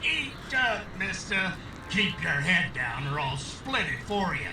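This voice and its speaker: A man playing a lovesick, cornered small-time gunman in 1940s noir radio drama, excitable, with pleading bluster. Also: high-pitched, slow, very noisy, exaggerated voice. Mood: cocky, taunting.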